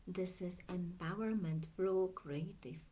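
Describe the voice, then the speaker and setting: A middle-aged woman from Poland with a Polish accent, a coach talking in a slow, reflective way that often drifts into near-whispers. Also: on the low side, steady tone, warm tone, breathy edge. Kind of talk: reflective Facebook video talk.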